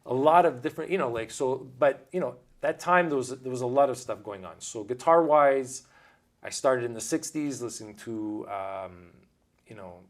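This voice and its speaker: A man's voice: mid-range voice, lively intonation, moderate pace. A man in his forties whose first language is Italian, telling rambling stories as a guest musician in a casual interview. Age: 40s. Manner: chatty, rambling storyteller.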